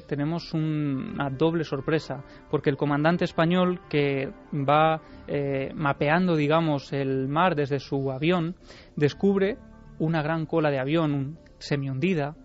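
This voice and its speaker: Guy on radio, slightly high voice, telling a story, muffled sound. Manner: narrative, addresses the host directly. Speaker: radio show contributor. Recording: dull lo-fi radio broadcast.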